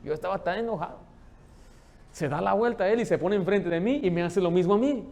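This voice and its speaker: A man, preaching a lively sermon in a church and telling stories with humor. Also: high voice, fairly quick, vocal fry. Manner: lively storytelling, joking with the congregation. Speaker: pastor.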